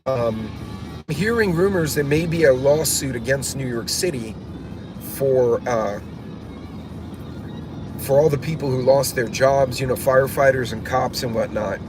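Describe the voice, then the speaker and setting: A man's voice: mid-range voice, unhurried, long pauses. Blunt, rambling man talking in a car. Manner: blunt, profane, many fillers and restarts. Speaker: prepper channel host. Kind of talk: casual rambling vlog commentary. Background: classic rock music playing.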